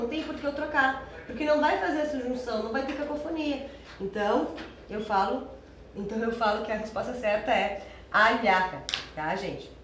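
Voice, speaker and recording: A woman's voice: on the high side, reverberant, a little hiss or hum. A young adult woman teaching Spanish for an exam, explaining step by step in a chatty way and checking in with her students often. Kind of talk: exam-prep lesson.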